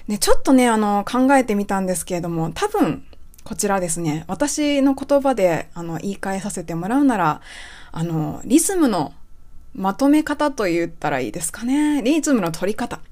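A woman who coaches English pronunciation, hosting a casual spoken lesson and reading out a listener's email, chatty, with many fillers and soft rephrasings. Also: mid-range voice, big pitch swings, moderate pace.

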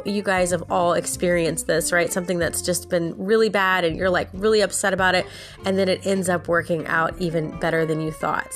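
A woman with a lowish, fairly bright voice hosts a podcast while nasal and stuffed up from a sinus infection. Chatty and quick to laugh, she tells a casual story and speaks to listeners directly.

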